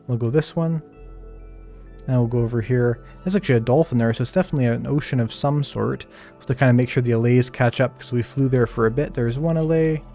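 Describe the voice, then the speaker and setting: A man giving calm, soft-spoken live gameplay commentary while answering chat questions, with plenty of hedges and fillers. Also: medium pitch, quick pace, faint music behind. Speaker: Minecraft streamer.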